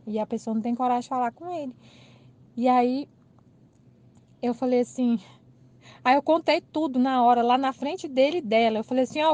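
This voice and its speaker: A Brazilian woman telling a personal anecdote in a casual, animated way, acting out the people in it and laughing at herself. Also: fairly high pitch. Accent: Brazilian Portuguese. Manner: animated, laughing retelling with quoted dialogue. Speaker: channel host. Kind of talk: casual storytelling.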